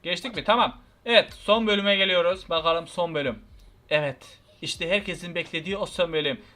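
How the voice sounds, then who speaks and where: A young man from Turkey keeps up a running let's-play commentary, chatting straight to his viewers. His voice sits high and bright. When something jumps out he exclaims loudly, then settles back into easy narration. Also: fairly quick. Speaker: gaming channel host.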